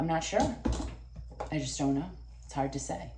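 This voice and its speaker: A woman is speaking in a space with audible room echo. Noticeable background noise runs underneath. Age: 50s. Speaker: vlogger. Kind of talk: casual chat. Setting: indoors, room with door shut. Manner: rambling, many tangents.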